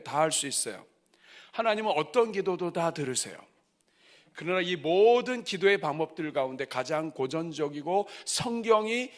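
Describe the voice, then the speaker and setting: A middle-aged man preaching at a church revival, moving from soft asides to loud cries. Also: high-pitched. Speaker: pastor. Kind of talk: revival sermon. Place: church sanctuary.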